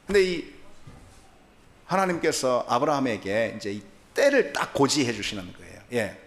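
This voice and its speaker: A man's voice: mid-range voice, normal speed. A male pastor delivering a Sunday sermon, speaking animatedly to the congregation, often chuckling and acting out the quoted lines. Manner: animated, acts out God's and Sarah's lines in quoted voices; chuckles often while preaching.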